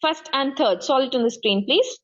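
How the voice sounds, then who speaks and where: A woman's voice: sits high, expressive, moderate pace, fairly bright tone, muffled recording. A woman with a South Asian accent teaching maths one-to-one, encouraging and often checking that the student follows. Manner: encouraging, frequently checking understanding. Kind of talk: interactive one-to-one tutoring.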